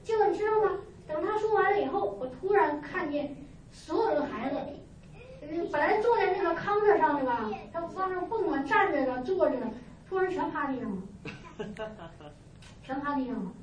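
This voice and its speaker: A woman giving an animated church testimony, telling her story with exclamations and sound effects. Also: extremely high pitch, moderate pace. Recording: roomy, distant, muffled recording.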